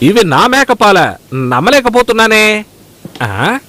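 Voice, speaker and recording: A man's voice: sits high, sing-song, unhurried, sharp tone, exaggerated voice. A man voicing an irritable, suspicious, blustering goat owner in a cartoon dub. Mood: disbelieving. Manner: blustering, demanding. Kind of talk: Telugu cartoon dubbing.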